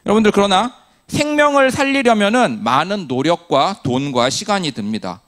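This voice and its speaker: A man preaching a sermon from the pulpit, his slightly high voice swinging widely up and down. He asks the congregation quick questions, answers them himself, and slips in jokes along the way. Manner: animated storytelling with humor. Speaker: pastor.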